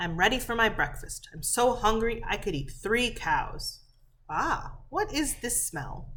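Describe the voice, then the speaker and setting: Putting on a character voice, a woman growls at a fairly high pitch and a fairly slow pace. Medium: read story. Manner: growling, booming.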